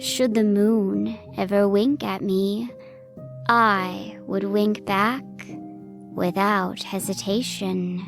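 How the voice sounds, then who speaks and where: Clear music in the background accompanies a put-on character voice that goes along very slowly. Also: female-sounding voice. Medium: read story. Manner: earnest, pedantic.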